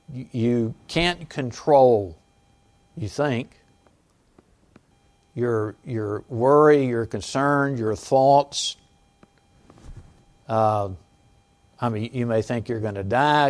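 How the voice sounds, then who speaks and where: Halting conversational male pastor preaching. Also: medium pitch, a little mellow. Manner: conversational, halting with restarts and asides to the congregation; chuckles between points. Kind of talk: sermon. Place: church sanctuary.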